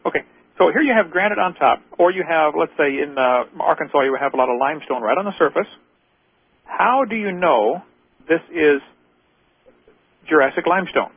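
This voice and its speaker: A man's voice: fairly high pitch, lively intonation, moderate pace, long pauses, breathy edge, no room sound. A man hosting a call-in radio show, arguing with a caller in a lecturing way and firing off rhetorical questions. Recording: tinny phone-line radio audio.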